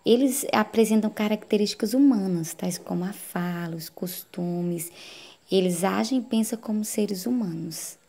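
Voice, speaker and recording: Woman teacher, dark gravelly voice, patient lesson delivery with constant check-in questions. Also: mid-range voice. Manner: explaining slowly with frequent "né?" tag questions. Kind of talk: recorded lesson for adult students.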